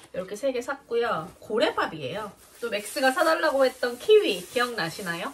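Over light background noise, a woman speaks at a fairly slow pace in a high pitch, with very wide pitch swings. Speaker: vlogger. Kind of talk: casual vlog chat. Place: kitchen. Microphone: phone near.

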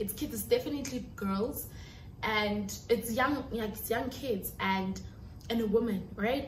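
Fairly high-pitched woman at a fairly slow pace, ordinary pitch variation, audible room echo and light background noise. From South Africa. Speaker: YouTuber. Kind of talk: storytime talk to camera. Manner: casual, chatty. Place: home room.

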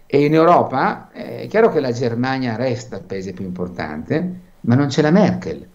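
A man at a medium pitch swings very widely up and down, with vocal fry in his voice. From Italy. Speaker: political science professor and columnist; political science professor. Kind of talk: interview. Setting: remote video link. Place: home room. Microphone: video call.

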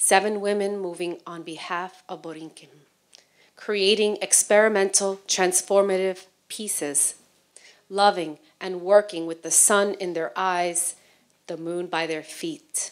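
With a New York accent, a woman talks at a fairly slow pace and in a fairly even intonation. The background is quiet. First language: Spanish. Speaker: artist; panelist, poet. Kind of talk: panel presentation. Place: hall. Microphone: handheld.

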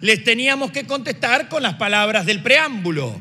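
A man's high-pitched, raised and projected voice with lively intonation. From Argentina. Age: 30s. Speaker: politician. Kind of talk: parliamentary speech. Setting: legislative chamber. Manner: formal. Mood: indignant. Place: hall. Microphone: podium.

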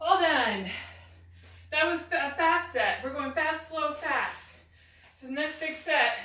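A woman's raised, projected voice comes at a fairly slow pace with ordinary pitch variation and audible room echo. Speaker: fitness instructor. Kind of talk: workout instruction. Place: garage. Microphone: camera far.

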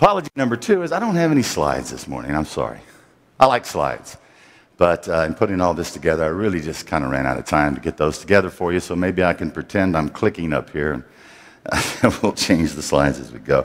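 This man talks at a very fast pace in a very deep, low pitch, with lively intonation and vocal fry. The background is quiet. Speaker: Bible class teacher. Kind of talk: lecture. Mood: friendly, lightly humorous. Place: church.

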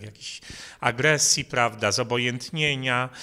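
A man talks at a fairly slow pace with a bright, sharp tone. The background is quiet. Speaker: theologian and philosopher. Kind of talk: panel debate. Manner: discursive, with filler words. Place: hall. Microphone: handheld.

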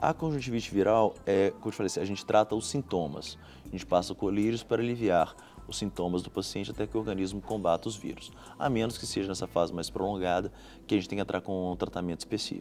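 Faint music sits in the background behind a man. His fairly low voice moves at a very fast pace with ordinary pitch variation. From Brazil. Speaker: ophthalmologist; guest. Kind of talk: TV interview, explanatory. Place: studio.

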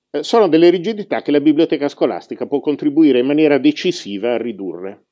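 Over a quiet background, a man talks at a very fast pace with lively intonation. His pitch is fairly high. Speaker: university professor. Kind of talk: panel presentation. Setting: book fair panel. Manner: measured, articulate. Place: hall. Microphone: lapel.

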